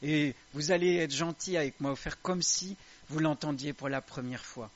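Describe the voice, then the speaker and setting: A man's voice: a little high, normal speed, lo-fi sound. A man preaching an informal sermon to his congregation in a confiding, conversational way.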